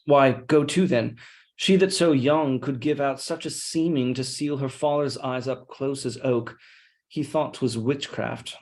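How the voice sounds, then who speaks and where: A man reading a scheming, deferential soldier in Shakespeare, with measured, insinuating, mock-humble delivery. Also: mid-range voice, darkish tone, natural voice. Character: scheming deferential soldier feeding his lord's suspicion. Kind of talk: Shakespeare read-along.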